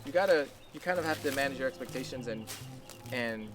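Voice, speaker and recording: A man's voice: mid-range voice, animated, fairly quick. A man who farms a food forest, talking in a loose, chatty way outdoors on a farm, with many restarts. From United States. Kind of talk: casual outdoor interview. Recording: background music under the voice.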